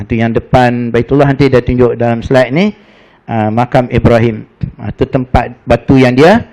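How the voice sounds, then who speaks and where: A man with a Malaysian Malay accent, teaching a Hajj preparation class in a lively storytelling way, dropping in frequent "ha" fillers. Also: mid-range voice. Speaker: religious teacher. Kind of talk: Hajj course lecture.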